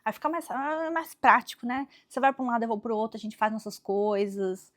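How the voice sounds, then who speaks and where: A woman's voice: fairly high pitch, steady tone, brisk, voice pushed up, natural voice. A woman with a Brazilian accent voicing a naive, self-assured young Eve who talks lightly and turns indignant. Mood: breezy. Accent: Brazilian Portuguese.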